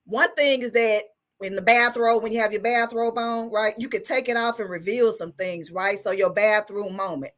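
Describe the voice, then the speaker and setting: A woman's voice: mid-range voice, steady tone, normal speed, a bit bright. An enthusiastic woman from Texas with a Southern US accent, talking casually and folksily as a therapist guest. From Texas, United States. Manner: enthusiastic, folksy, rhetorical check-ins. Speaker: guest, mental health therapist. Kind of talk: casual interview and motivational talk.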